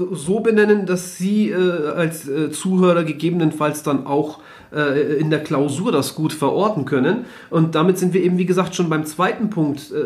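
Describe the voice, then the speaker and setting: Heard with audible room echo, a man with a high pitch talks at a fairly slow pace, with ordinary pitch variation and very even loudness. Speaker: criminal law scholar, podcast co-host. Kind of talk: casual legal discussion podcast. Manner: shifts into lecturing voice for standard doctrines.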